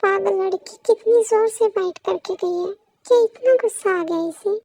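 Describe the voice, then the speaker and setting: A playful young husband from a storybook, coaxing and pleading with his partner, as a woman reader puts him on. The voice sits very high with a gravelly edge. The sound is close and dry. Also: normal speed, warm tone, no echo. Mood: teasing. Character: teasing young husband, playful then apologetic. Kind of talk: storybook role reading.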